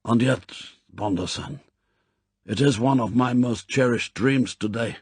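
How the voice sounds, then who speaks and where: A man's voice: medium pitch, a little slow, slightly rough, no room sound. A man voicing a proud Japanese spymaster in an audiobook, formal and courtly, zealous and sternly gracious. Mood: solemn, fervent. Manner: formal, stilted, courtly phrasing.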